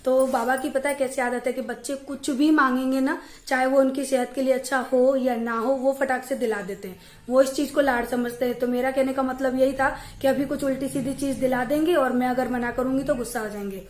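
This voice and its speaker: Brief: young woman vlogger, bright high voice, chatty and animated, echoey room at home. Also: fairly quick. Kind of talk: casual chat to camera. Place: at home, indoors.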